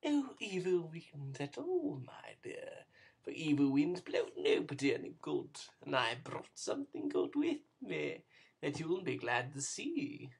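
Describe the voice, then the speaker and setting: A man voicing a sly old male fence in a storybook reading, with a hushed, wheedling whisper. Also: on the high side, big pitch swings, unhurried, gravelly, slightly rough, exaggerated voice.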